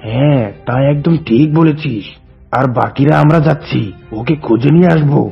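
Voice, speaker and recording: A man voicing a worried lion king of the jungle in a cartoon, with a gravelly voice. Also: a little high, normal speed. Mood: worried, resolute. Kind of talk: cartoon voice acting. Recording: dull lo-fi audio, music behind.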